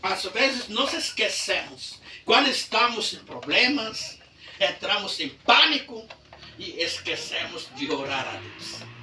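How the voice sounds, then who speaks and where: Dramatic, high-pitched Brazilian preacher. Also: male voice, big pitch swings, slow, background noise. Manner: dramatic storytelling that swings between hushed tones and shouts. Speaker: pastor. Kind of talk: sermon. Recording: echoey church heard from a distance.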